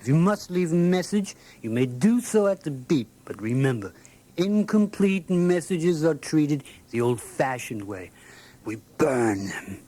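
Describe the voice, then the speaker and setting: Pompous gentleman, haughty, formal precise diction, widely swooping pitch, comedy monologue. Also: expressive, a little slow. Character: haughty, pompous old-fashioned gentleman of the house.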